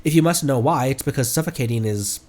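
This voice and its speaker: A man voicing an earnest, pedantic academic who lectures in a halting way. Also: medium pitch, darkish tone, lightly acted. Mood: earnest, lecturing. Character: earnest, pedantic young academic of marine bones.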